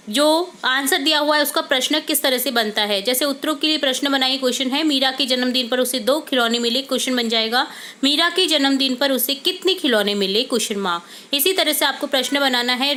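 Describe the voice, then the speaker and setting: A woman's voice: high voice, sharp tone. A woman teacher going through workbook answers step by step, mixing English words into her explanations. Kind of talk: workbook solution lesson.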